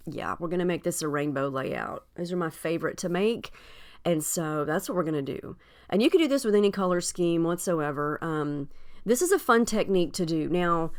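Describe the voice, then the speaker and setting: A woman talks through a crafting project in a relaxed, chatty way, filling her pauses with ums. Her voice is fairly low and smooth underneath, with a slight scratchiness left over from being ill. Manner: chatty, friendly, with frequent ums. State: slightly scratchy voice after illness. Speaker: scrapbooking video host. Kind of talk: casual crafting tutorial narration.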